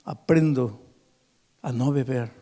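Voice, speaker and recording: A male preacher voicing a tearful drunk man who pleads and begs in a quiet, shaky voice. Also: mid-range voice, takes it slowly, long reverb tail, natural voice. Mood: pleading. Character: weeping drunk man begging for punishment.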